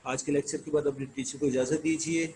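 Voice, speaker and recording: A man giving a recorded lecture, reading English lines slowly and then explaining them in Urdu. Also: on the high side, level tone, a little mellow, slight background noise, poor audio.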